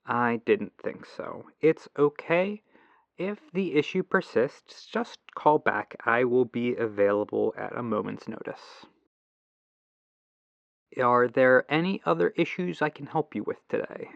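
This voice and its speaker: A man playing a patient, earnest tech-support agent in a gentle, reassuring ASMR phone roleplay, through a lo-fi telephone filter. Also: mid-range voice, lively intonation, unhurried, gravelly, no echo. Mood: helpful, calm. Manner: gentle, reassuring, apologetic, musing to himself. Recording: lo-fi muffled telephone sound.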